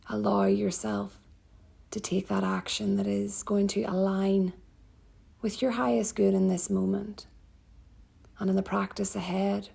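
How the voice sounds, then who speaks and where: A woman yoga teacher from Northern Ireland, guiding a sleep meditation in a soft, slow, soothing voice that often drops near a whisper. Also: mid-range voice, gravelly, husky.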